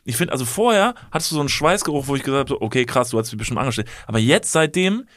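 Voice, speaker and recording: A man's voice: medium pitch, lively intonation, rapid-fire, fairly bright tone, no room sound, studio quality. A man co-hosting a casual comedy podcast, rambling through exaggerated rants and mocking quoted voices. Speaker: podcast co-host.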